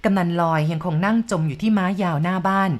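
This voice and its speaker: Woman reading a spooky tale out loud, kinda low voice, steady and measured. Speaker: storyteller. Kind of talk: ghost story narration.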